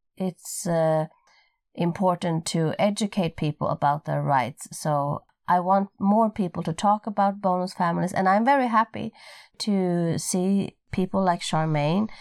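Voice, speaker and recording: A woman with a Swedish accent speaks at a fairly slow pace and medium pitch, with lively intonation. The sound is dry and close with no echo, on a very clean recording with a silent background. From Sweden. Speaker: podcast host. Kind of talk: casual chat.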